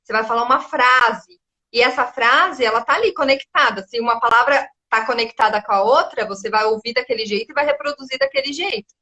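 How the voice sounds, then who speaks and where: Woman educator, bright and fairly high voice, patient explainer. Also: a little fast. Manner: explanatory, often ends with "né?". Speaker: guest educator. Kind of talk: casual live chat.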